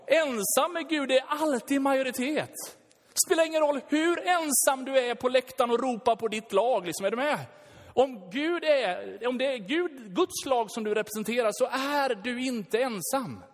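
A man preaching a sermon, lively and casual, acting out prayers and switching between loud and hushed. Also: very high-pitched. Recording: long hall reverb.

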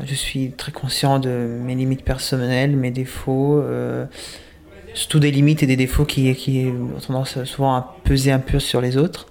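Man, 20s, from Italy, gravelly voice, measured monotone, halting and thoughtful. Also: medium pitch. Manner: hesitant, thoughtful, many pauses and restarts. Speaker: seminary candidate. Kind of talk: casual interview answers.

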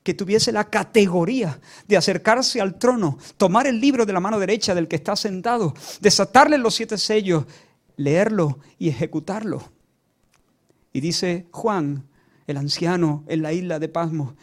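Spanish guy preaching, high voice, super dramatic, goes quiet then loud, repeats stuff a lot. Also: normal speed. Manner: dramatic, swings between hushed and loud, repeats words for emphasis. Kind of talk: sermon.

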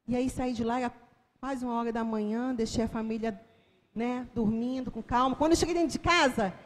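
Woman, Brazilian accent, high voice, sermon testimony, dramatic and fervent, reverberant church hall. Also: brisk. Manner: dramatic storytelling that swells into fervent proclaiming. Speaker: church speaker giving testimony.

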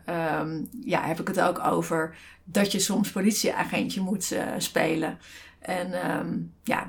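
A woman co-hosting a casual podcast from a desk beside her partner, telling a story with many fillers and restarts. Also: medium pitch. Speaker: podcast co-host.

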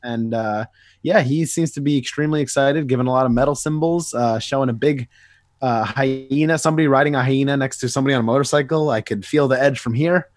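Male co-host, middle pitch, dry close sound, halting and filler-heavy. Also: no room sound. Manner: hesitant, with frequent "uh" fillers and stuttered restarts. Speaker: podcast co-host. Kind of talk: casual chat.

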